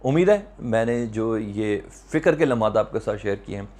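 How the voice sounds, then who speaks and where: Speaking a little fast in a lowish, darkish voice, a man with a Pakistani accent animatedly comments on current affairs as host of a news commentary video channel. He repeats phrases for emphasis, asks rhetorical questions, and mixes English words in.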